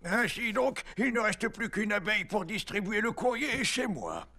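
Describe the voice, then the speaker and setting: A man's voice: high-pitched, big pitch swings, normal speed, bright, forceful tone, full character voice. A man playing a fussy, kindly, worried postman with a theatrical, ceremonious manner in a French-dubbed children's cartoon. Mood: worried, flustered. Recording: music behind the voice.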